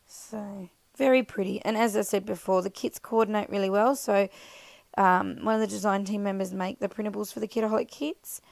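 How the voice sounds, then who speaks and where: A woman with an Australian accent and a croaky, scratchy voice from being sick, chatting casually as she narrates her crafting. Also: medium pitch, fairly even intonation, brisk, darkish tone, no echo. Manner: chatty, rambling, self-deprecating, many fillers. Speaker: scrapbooking vlogger.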